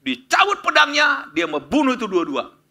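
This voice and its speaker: A man with a bright, forceful and fairly high voice preaches to his congregation. He tells a story with swooping, lively pitch, puts on voices for its characters and breaks off to question his listeners. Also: moderate pace. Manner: animated, acts out story characters with sudden loud outbursts; addresses congregation directly, asks questions. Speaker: pastor. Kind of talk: sermon with storytelling.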